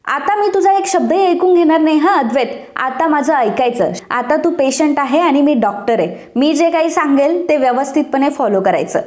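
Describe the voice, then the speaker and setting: A woman's voice: sits high, animated, moderate pace, few pauses, a little mellow. A woman voicing a bossy but caring young wife who scolds and gives orders. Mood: scolding. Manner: scolding, commanding.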